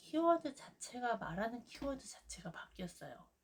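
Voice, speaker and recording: A woman's somewhat breathy voice swings very widely in pitch. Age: 40s. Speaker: youtuber, sales trainee. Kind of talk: vlog monologue. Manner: hesitant fillers.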